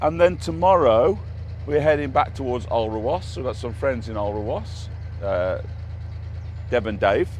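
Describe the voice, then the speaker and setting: A man's voice: mid-range voice, lively intonation, measured pace. A man with an English accent chatting casually and jokily as he narrates a boat trip. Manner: jokey, bantering. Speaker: narrowboat vlogger. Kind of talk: casual chat, commentary while cruising. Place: outdoors on a narrowboat on a canal. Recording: outdoor recording with loud boat engine hum. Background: engine hum, outdoor noise.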